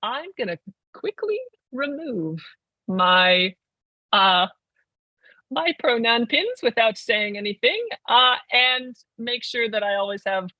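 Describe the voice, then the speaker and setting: A man's voice: extremely high pitch, animated, slow, dry recording, muffled recording. A 21-year-old trans man and podcast guest, chatting casually and rambling with lots of "like.". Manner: rambling, heavy use of "like". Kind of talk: casual conversation.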